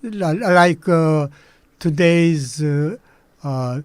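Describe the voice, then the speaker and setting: A man in his eighties, native Korean speaker, recalling his childhood in a halting way with many pauses. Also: a little high, no echo. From Manchuria. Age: 80s. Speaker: guest. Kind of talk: recalling memories in an interview.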